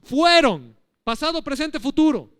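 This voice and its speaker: A male pastor with a Bolivian Spanish accent preaching a sermon, teaching step by step, asking the congregation questions and drawing out key words slowly. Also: very high voice, animated, fairly bright tone, no echo. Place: church stage.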